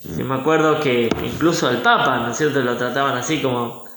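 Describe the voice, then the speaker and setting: A man who is a Catholic priest, giving an informal teaching talk and pausing to look up Bible verses. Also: mid-range voice, fairly even intonation, background noise. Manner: unhurried, pauses to look up verses. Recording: echoey room.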